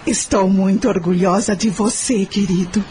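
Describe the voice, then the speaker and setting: An actress playing a gentle, supportive middle-aged Brazilian wife in a radio soap, with an earnest, tender delivery. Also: female voice, mid-range voice, fairly even intonation, moderate pace, a little hiss or hum, lightly acted. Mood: proud, tender.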